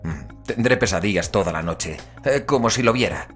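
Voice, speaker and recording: An actor playing a jittery, irreverent young investigator who grumbles expressively in an audio drama. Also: male voice, fairly low pitch, expressive, normal speed, fairly bright tone, soft background music. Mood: uneasy musing.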